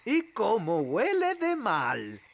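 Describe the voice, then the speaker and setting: A woman's voice: medium pitch, huge pitch swings, takes it slowly, gravelly, heavy background noise, heavily acted. A woman voicing a haughty, callous lady witch who teaches with pompous nonchalance in a Latin American Spanish cartoon dub. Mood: lecturing. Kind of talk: animated children's cartoon dub.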